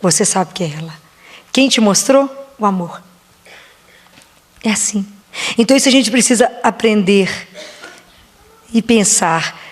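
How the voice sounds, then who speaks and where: A woman giving a slow, reflective devotional sermon, often asking rhetorical questions. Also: mid-range voice, expressive. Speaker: preacher. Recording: long hall reverb.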